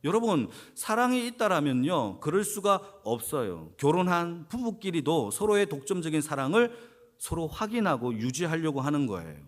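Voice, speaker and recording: A man's voice: a little high, big pitch swings, moderate pace. A man preaching a Sunday sermon as senior pastor, asking the congregation questions and answering them himself, and repeating key phrases for emphasis. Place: church sanctuary.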